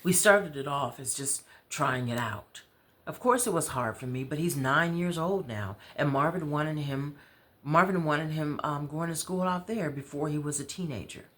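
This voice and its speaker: An American woman voicing a troubled, proud mother in a story, confiding in a halting, conversational way. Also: low voice, a bit bright. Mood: weary.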